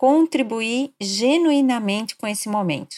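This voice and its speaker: At a fairly slow pace, a woman talks with lively intonation in an ordinary speaking voice, the sound dry and close with no echo. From southern Brazil, Blumenau (Santa Catarina). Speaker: communication consultant and journalist. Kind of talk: interview.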